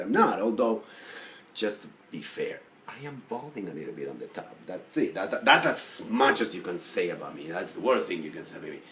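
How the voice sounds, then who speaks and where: A man performing a monologue as a neurotic, self-deprecating, lovelorn forty-year-old who rambles haltingly. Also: on the low side, pitched below the performer's own voice. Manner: halting, rambling, full of fillers and restarts. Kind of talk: dramatic film monologue acting. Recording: roomy echo with faint background noise.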